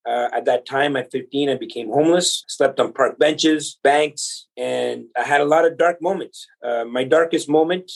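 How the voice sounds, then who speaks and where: Husky-voiced man telling his story. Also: mid-range voice, normal speed, few pauses. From El Salvador. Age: 40s. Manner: earnest, motivational, speaks to the listener directly. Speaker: podcast guest, entrepreneur. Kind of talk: conversational storytelling.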